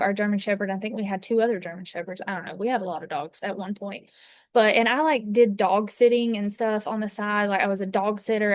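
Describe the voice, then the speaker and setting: A woman's voice: mid-range voice, smooth, dry recording, studio quality. A woman, chatting casually as a fragrance consultant, rambling with lots of fillers and restarts. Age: 30s. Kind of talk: casual chat. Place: inside an RV.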